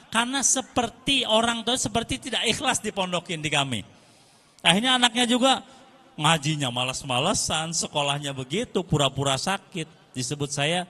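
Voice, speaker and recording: A man, giving a lively storytelling lecture to parents as an Islamic teacher, repeating phrases for emphasis. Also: fairly high pitch.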